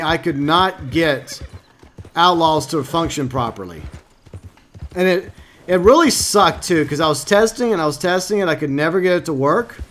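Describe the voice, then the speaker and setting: A man talks casually on a live game stream, reading viewers' messages aloud and answering them with plenty of fillers. His voice sits a little high for a man. He grew up in Texas. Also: fairly bright tone, a little hiss or hum. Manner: chatty, reads viewer comments aloud, frequent fillers.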